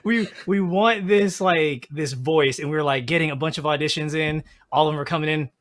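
A man hosting a podcast in a casual chat, animated and quick to laugh. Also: fairly high pitch. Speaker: podcast host.

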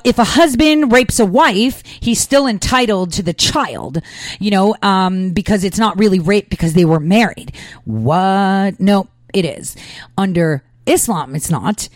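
An American woman delivers emphatic political commentary, scattering fillers and rhetorical questions throughout. Her voice is medium in pitch, and the recording has no room sound.

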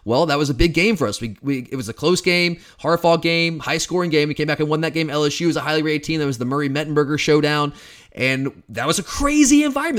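A man in his thirties hosting a sports podcast, talking in an excited, emphatic way with frequent restarts. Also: a little high. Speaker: podcast host. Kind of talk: casual sports podcast monologue.

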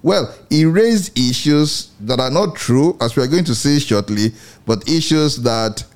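A man in middle age hosts a Christian radio program with an earnest, measured delivery. He often restates a phrase before going on. His voice sits at an ordinary pitch for a man. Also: lively intonation. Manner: measured, earnest, repeats and rephrases words. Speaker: radio show host.

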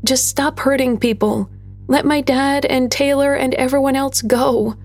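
Lady doing a young girl scout voice, earnest n pleading, a bit breathy. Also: sits high, steady tone, measured pace, a little mellow, soft background music, voice pushed up.

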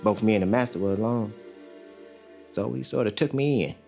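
An actor in an audio drama playing a young enslaved father who talks in a calm, plainspoken drawl. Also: lowish voice, brisk, creaky, soft background music. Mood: steady. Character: young enslaved male father, steady and hopeful.

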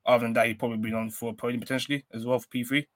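A man on a podcast panel giving a measured, analytical take in a casual chat. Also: medium pitch, flat delivery, no room sound.

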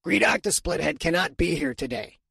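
A man reading an audiobook and voicing a tiny, gravelly alien football coach who speaks formally and solemnly. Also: on the high side, animated, fairly quick, pushed and bright, dry recording, clean studio sound, voice pushed up, exaggerated voice. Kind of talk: audiobook character voice.

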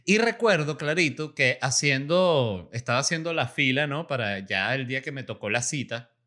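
Bright-voiced Venezuelan man telling a story. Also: medium pitch. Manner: lively anecdote-telling, salty language, acts out quoted voices. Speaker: comedian, podcast host. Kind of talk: casual storytelling chat.

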